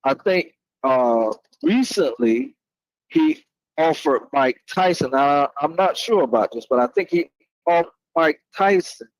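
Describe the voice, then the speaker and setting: Slow, halting man in casual chat. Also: a little high, expressive, dry recording, low-quality recording. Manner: halting, roundabout, peppered with "you know". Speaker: panelist asking a question.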